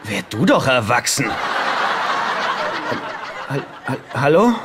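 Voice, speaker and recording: A man's voice: mid-range voice, big pitch swings, takes it slowly. An actor in a German-dubbed sitcom playing a lovesick, naive rich man with a plaintive, boyish way of pleading. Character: lovesick, childlike wealthy man, whiny and naive. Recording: noisy TV soundtrack rip.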